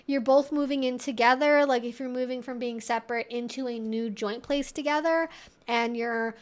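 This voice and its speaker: A woman with a somewhat high voice, steady in tone and moderate in pace, hosts a casual livestream Q&A as a relationship educator. She answers viewer questions with conversational advice, rambling informally and making frequent asides.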